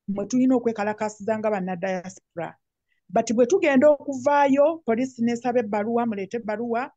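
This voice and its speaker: A woman with a Ugandan accent speaks off the cuff as an activist addressing an online meeting. Her voice sits on the high side. It comes through a slightly dull, dry call connection. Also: mellow, no room sound. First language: Luganda. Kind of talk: impromptu political address.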